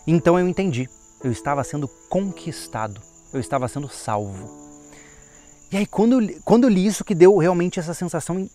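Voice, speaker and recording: A man's voice: a little high, darkish tone. A man sharing a personal conversion testimony in a casual, rambling way, often restarting and thinking aloud, with an earnest, emotional tone. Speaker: testimony speaker. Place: outdoors, insects and a plane audible.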